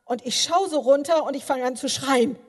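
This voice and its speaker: An older woman giving a sermon, telling personal stories in an animated way with many filler sounds and speaking straight to her listeners. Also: high voice, normal speed. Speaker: preacher. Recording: long reverb of a large hall.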